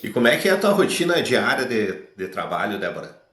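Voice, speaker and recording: A man hosts a radio interview in a low voice that sounds a little roomy. He asks short, casual questions. His voice drops and trails off at the end of each one. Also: big pitch swings, brisk. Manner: brief, conversational questions that trail off quietly.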